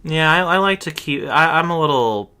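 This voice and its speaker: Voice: medium pitch, lively intonation, normal speed, bright, forceful tone, clear, resonant tone. A game streamer chatting casually with viewers in an informal, rambling, sweary way. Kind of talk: casual livestream chat over a game.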